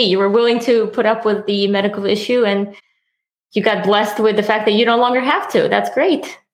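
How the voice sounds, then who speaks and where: A woman's ordinary speaking voice, fairly high in pitch, with ordinary pitch variation, very even loudness, and a fairly quick pace. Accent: American. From Tajikistan.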